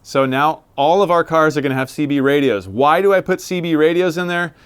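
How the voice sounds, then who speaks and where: A man's voice: fairly high pitch, a little fast, clear, resonant tone, no echo. A man hosting a casual how-to vlog, talking in an informal, plain-spoken way. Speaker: video host installing car gear. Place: in and around a car in a garage.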